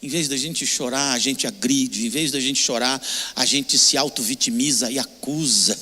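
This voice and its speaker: A man's voice: mid-range voice, moderate pace, bright, forceful tone, husky, big-room sound. An older man preaching a sermon with a Brazilian Portuguese accent, emotional and emphatic, repeating short phrases. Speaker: pastor.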